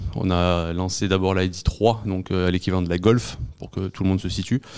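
In a very clean recording with a silent background, a man talks with a very deep, low pitch. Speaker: car product manager. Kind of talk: interview. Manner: sing-song intonation.

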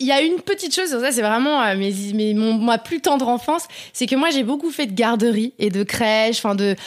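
Over noticeable background noise, a woman talks with lively intonation. Her pitch is fairly high. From northern France. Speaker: paper artist and art director. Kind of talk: casual interview. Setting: home studio.

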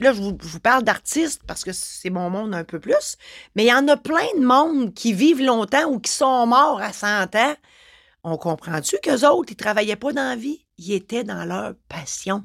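In a very clean recording with a silent background and a dry, close sound with no echo, a woman with a Quebec accent talks at a fairly slow pace and fairly high pitch, with very wide pitch swings and big swings in loudness. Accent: Québécois French. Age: 50s. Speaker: podcaster and motivational speaker, retired notary. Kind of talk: solo motivational podcast monologue. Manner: casual, with many filler hesitations.

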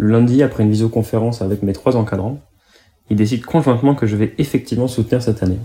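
A man speaks very fast at a medium pitch, his somewhat breathy voice dark and mellow in tone, with fairly even intonation and very even loudness. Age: 30s. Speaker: physics PhD student and Buddhist practitioner. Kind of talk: testimony.

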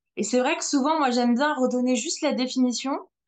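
A woman speaks at a high pitch. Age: 30s. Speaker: coach and theatre teacher. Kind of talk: casual interview chat.

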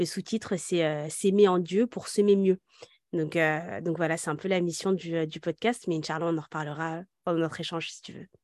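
A woman with a fairly low pitch talks at a moderate pace, her loudness swinging widely. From northeastern France, Senegalese heritage. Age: 30s. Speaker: podcast host and former author. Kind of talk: casual interview chat. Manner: lively; halting.

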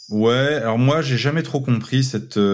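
A man speaks at a moderate pace with ordinary pitch variation, recorded very cleanly against a silent background. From Paris, France. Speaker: professional freediver. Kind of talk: interview. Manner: hesitant, frequent fillers.

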